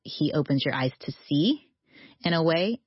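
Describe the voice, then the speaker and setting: A lowish-voiced woman guest speaking earnestly and with frequent laughter. The sound is dry and close, with a slightly dull, narrow tone. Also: animated, normal speed, husky, no echo. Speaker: author guest. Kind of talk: faith-based interview conversation.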